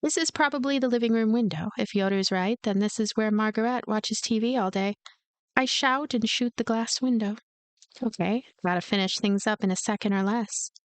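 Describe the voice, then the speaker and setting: A woman reading a game's story aloud as a let's play host, with expressive narration and casual asides. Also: fairly high pitch, normal speed, clear, resonant tone, no room sound. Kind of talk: voiced narration with casual commentary.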